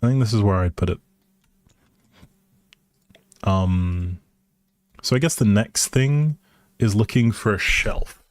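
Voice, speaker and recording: This live streamer speaks slowly in a fairly low, animated voice, pausing often, captured as clean studio sound with no room echo. He chats casually through a building game, mulling small choices aloud and answering viewers.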